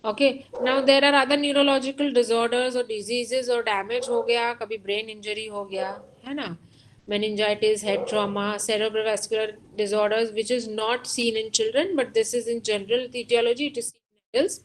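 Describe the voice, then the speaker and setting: A woman with an Indian accent lectures at an unhurried, deliberate pace, her voice sitting somewhat high. She explains each point patiently and moves freely between Hindi and English as she teaches. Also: fairly even intonation, noisy background. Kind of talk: online lecture.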